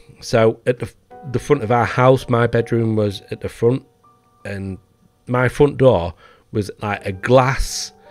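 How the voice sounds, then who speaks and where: Over music in the background, a man speaks at a very slow pace and medium pitch, with fairly even intonation and long, frequent pauses. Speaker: podcast host. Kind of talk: casual podcast storytelling. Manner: conversational, hesitant.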